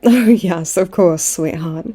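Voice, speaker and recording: Smug, mellow-voiced flirty villainess played by a woman. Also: on the low side, slow pace, slightly rough. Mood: flirty, sweet. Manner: teasing, mock-sweet, theatrical taunting. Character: smug flirtatious female supervillain in her late twenties, hospitalized. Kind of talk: comedic audio roleplay acting.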